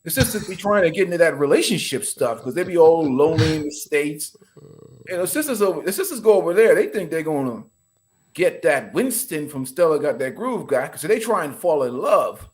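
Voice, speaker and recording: Fairly high in pitch and fairly quick, the man is a guest on a podcast who comes from the Bahamas. He makes his opinions known emphatically and casually, staying animated and laughing while he speaks.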